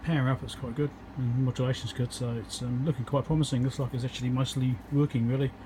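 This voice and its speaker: This New Zealand-accented electronics repairer is a fast talker whose medium-pitched voice shows little pitch movement. He casually presents his work at an indoor bench, unscripted and matter-of-fact, against a noisy background.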